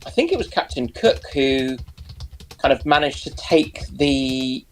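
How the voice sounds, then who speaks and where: A man's voice: mid-range voice, animated, unhurried, a little hiss or hum. A man chatting casually about history in a hesitant, informal way, feeling his way through each sentence.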